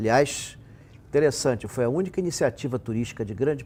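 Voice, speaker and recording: A man's medium-pitched, dark and mellow voice at a fairly quick pace. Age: 60s. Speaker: historian and architect. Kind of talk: interview.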